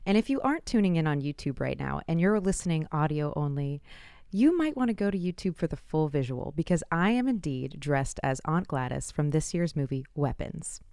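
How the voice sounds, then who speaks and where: A woman hosting a scary story show, narrating a scripted bedtime tale in a measured, deliberate way with dramatic pauses. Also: deep voice, big pitch swings, a little mellow, smooth, no echo, clean studio sound. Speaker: host of a spooky story podcast.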